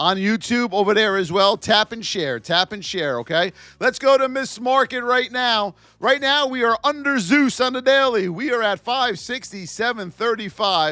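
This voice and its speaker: A man with a high pitch talks at a moderate pace in a raised, projected voice, with lively intonation and an animated tone. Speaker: trading educator livestream host. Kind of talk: live stream market commentary.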